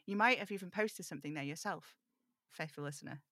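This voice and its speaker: A woman acting as a lonely, reflective broadcaster who confides in her listeners in a measured, intimate audio drama monologue. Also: lowish voice, sharp tone, slight background noise. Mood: grave, explanatory. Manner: measured, confiding, wistful storytelling.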